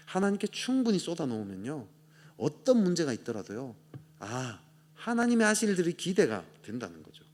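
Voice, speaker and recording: A man pastor preaching a sermon, swinging between loud urgent rises and low quiet endings.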